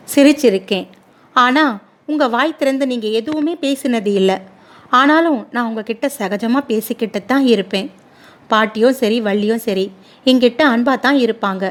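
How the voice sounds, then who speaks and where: A woman's voice: a little high, lightly acted. A woman voicing a kind, talkative young neighbor woman who speaks earnestly and pleads. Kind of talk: storybook dialogue.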